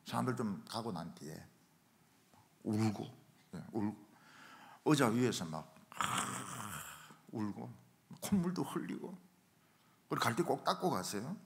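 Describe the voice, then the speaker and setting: A middle-aged man preaching a revival sermon in a church, telling stories and acting out shouted quotes. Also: lowish voice, moderate pace, vocal fry, pauses often. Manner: animated storytelling, acts out shouted quotes. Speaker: pastor. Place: church sanctuary.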